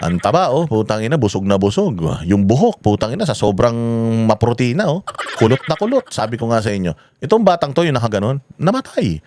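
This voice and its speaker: A man from the Philippines talks straight to his viewers in loose, running commentary. His voice sits at an ordinary middle pitch, and his tone is scornful, full of curses and sarcastic questions. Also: big pitch swings, fairly quick, darkish tone, a little hiss or hum. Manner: mocking, swears often, rhetorical questions. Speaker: commentary vlogger. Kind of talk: casual political commentary.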